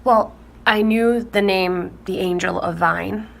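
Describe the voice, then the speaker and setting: An actress playing a woman who recounts her discovery in halting, natural speech in an audio drama. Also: medium pitch, steady tone, creaky. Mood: uneasy. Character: shaken woman recounting her grandfather's secret tapes. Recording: faint background noise.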